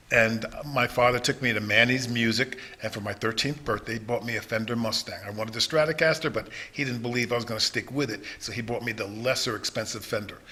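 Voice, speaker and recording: A man with a New York accent talks at a very fast pace, his medium-pitched voice keeping fairly even intonation. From New York (Yonkers). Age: 60s. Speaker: recording artist and bass player. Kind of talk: interview.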